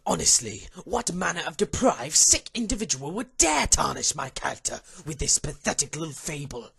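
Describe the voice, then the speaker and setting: A sardonic villainous spirit in an audio drama. The voice is harshly husky and forceful, swinging with theatrical disdain. He sounds thoroughly bored by his duty. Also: a little high, very animated, moderate pace, exaggerated voice. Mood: bored, disdainful. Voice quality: raspy, gravelly. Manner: theatrical, disdainful, articulate grumbling. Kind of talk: fan audio drama acting.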